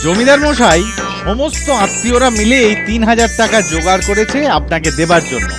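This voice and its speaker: A man voicing a clever, self-assured village jester in a comic cartoon, persuasive and calmly scheming. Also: sits high, a little fast, music in the background. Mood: polite, persuasive. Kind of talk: dubbed comic cartoon dialogue.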